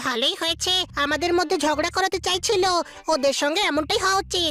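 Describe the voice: In a cartoonish character voice pitched extremely high, the speaker talks at a moderate pace over clear background music.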